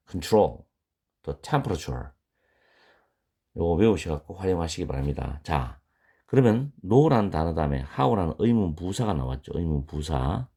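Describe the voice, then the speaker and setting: A man teaches an online English grammar lesson in a very low, gravelly voice that sounds dark and slightly husky. He pronounces English words with a Korean accent and patiently repeats key words slowly for practice.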